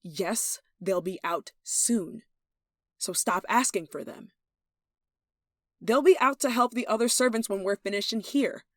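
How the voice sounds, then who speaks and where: A woman's voice: mid-range voice, a little slow, no echo, clean studio sound. A woman playing a possessive, haughty young noble in a yandere ASMR roleplay, speaking in an imperious, jealous way with sighs. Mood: irritated, haughty. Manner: imperious, indignant, sighing, clipped commands.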